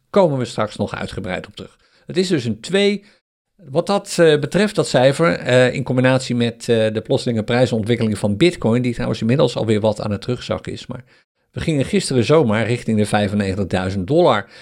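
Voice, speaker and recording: A man hosting a solo crypto podcast in a chatty style, often pausing with fillers. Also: medium pitch, darkish tone. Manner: chatty, hesitant with frequent fillers. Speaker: podcast host.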